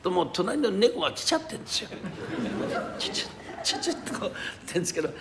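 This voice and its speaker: A man's voice: high voice, big pitch swings, fast talker, creaky, a crowd in the background, full character voice. A man playing a timid servant who jokes his way out of orders, in a rakugo comic story. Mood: explaining. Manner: meek, jokey. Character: timid fretful male servant. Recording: echoey TV hall with noise.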